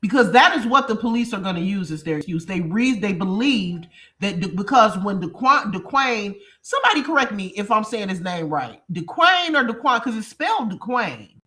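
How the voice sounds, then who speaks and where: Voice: medium pitch, big pitch swings, normal speed, sharp tone. A congested, sniffling reaction channel host giving emphatic commentary on a case, repeating points and explaining to viewers. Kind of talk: commentary on a true crime case.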